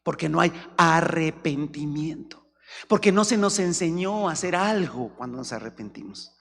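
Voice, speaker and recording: High-voiced Mexican pastor preaching in a hall. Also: male voice, normal speed, gravelly. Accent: Mexican Spanish. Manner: animated, acts out dialogues with humor. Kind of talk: sermon. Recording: hall reverb.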